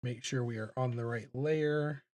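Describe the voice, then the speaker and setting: A man's deep voice comes across unhurried and a little mellow as he livestreams his drawing session. The illustrator and host mutters his thoughts aloud with self-deprecating humor, picked up by a streaming microphone.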